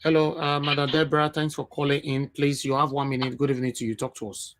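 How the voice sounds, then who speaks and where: A man's voice: medium pitch, little pitch movement, quick pace, a bit bright, no echo. A man with a Nigerian accent hosting a live call-in show, politely steering callers along. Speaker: host of a call-in panel show.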